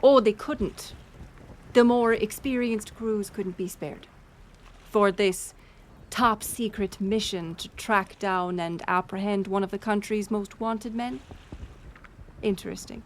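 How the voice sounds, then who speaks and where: A woman's voice: medium pitch, fairly even intonation, takes it slowly, slight background noise, natural voice. A woman playing a bold, teasing pirate smuggler captain in an audio roleplay, playful and sardonic in manner. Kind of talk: intimate audio roleplay storytelling.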